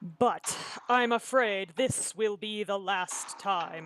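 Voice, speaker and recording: A woman's put-on character voice, medium in pitch, at a very slow pace. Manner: obnoxious, grandiose.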